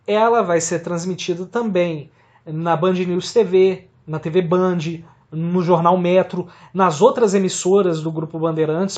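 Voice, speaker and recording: A researcher with a Brazilian accent presents an academic study. The voice sits at a medium pitch. The delivery is formal and didactic, explaining each point in the manner of a slide presentation. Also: darkish tone.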